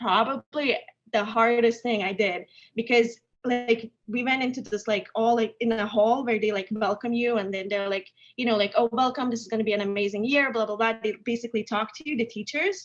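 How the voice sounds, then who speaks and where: A woman's fairly high voice in a Lithuanian accent, with ordinary pitch variation and a moderate pace. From Lithuania, Vilnius. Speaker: artist. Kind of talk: interview.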